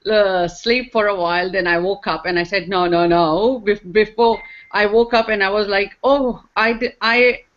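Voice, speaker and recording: Hesitant working mom on a video call, with pauses, dull lo-fi sound. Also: female voice, mid-range voice, fairly even intonation. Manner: hesitant, many pauses and restarts. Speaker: panel guest, working mother. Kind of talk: casual online group chat.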